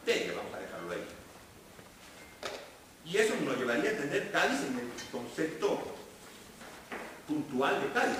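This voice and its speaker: A man's voice: mid-range voice, fairly bright tone. A man giving an academic lecture as a professor, posing rhetorical questions and answering them himself with theatrical emphasis. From Spain. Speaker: history professor, guest speaker. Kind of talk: academic lecture delivered to a live audience. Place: indoor seminar hall. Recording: echoey room, distant mic, noisy background.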